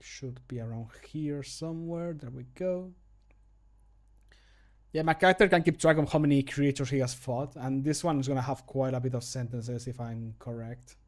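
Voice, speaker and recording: A man in his thirties streams from a small home room with a medium-pitched voice. He chats casually and jokes as he goes, commenting on his own work with the odd swear word. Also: normal speed. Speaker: streamer recording mod voice lines. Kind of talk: casual livestream chat.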